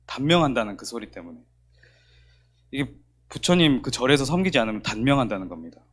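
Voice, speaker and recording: A man preaching a sermon as pastor in a church, telling a story in an animated way and acting out the dialogue. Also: medium pitch, a little fast.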